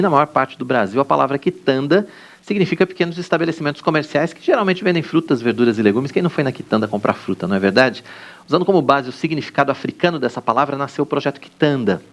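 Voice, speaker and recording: A man's voice: medium pitch, expressive, quick pace. A man hosting a live TV studio interview, introducing the topic and asking friendly, conversational questions. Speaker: TV show host.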